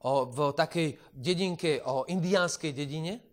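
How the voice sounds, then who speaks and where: A man's voice: a little high, takes it slowly. A man interpreting a sermon phrase by phrase, following the preacher closely.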